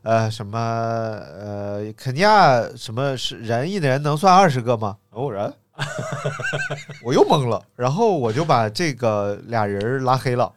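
Animated man telling stories, laughing. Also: mid-range voice, unhurried. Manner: animated storytelling, laughing often. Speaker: podcast co-host. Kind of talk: casual chat. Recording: faint background music.

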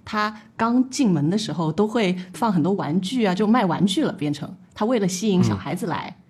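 A woman co-hosting a podcast in casual chat, telling relaxed personal anecdotes with small hesitations. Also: medium pitch, a little fast, breathy edge. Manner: anecdotal, relaxed storytelling with fillers.

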